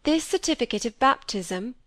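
A woman reading a gentle young woman. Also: fairly high pitch, animated, normal speed, no echo, pitched above the performer's own voice, lightly acted. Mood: earnest.

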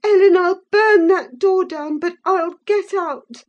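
A woman voicing a passionate young woman, high and tearful, pleading and defiant. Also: takes it slowly, dull audio.

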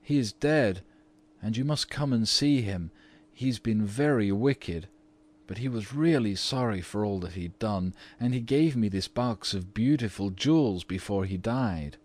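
A man reading aloud, voicing a young girl who speaks quietly and seriously. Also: lowish voice, unhurried, voice pushed up. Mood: grave.

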